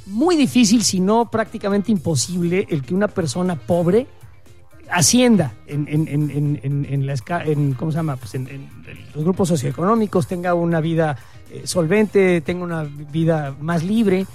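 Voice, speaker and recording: A man's voice: high voice, a little mellow. A Mexican man co-hosting a talk show, giving blunt, profane opinions. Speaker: co-host. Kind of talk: casual opinion commentary.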